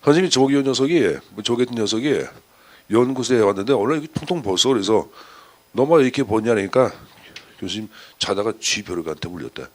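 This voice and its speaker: A man's voice: medium pitch, lively intonation, brisk. A man giving a chatty exam-prep lecture, firing rhetorical questions at his students.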